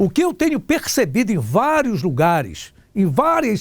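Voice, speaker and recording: Pitch swings very widely across speech delivered at a moderate pace. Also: man. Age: 60s. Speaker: TV show host, commentator. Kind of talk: opinion commentary. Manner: animated.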